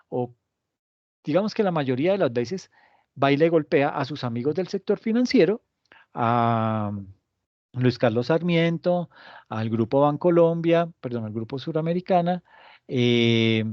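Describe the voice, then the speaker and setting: A man explaining economics in a relaxed podcast, sarcastically acting out imagined dialogues between the government and the banks. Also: on the high side, no echo, muffled recording. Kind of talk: casual explanatory podcast talk.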